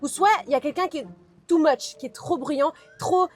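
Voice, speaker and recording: A woman's voice: sits high, normal speed, darkish tone, faint music behind. A young woman chatting casually, frank and opinionated. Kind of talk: casual chat.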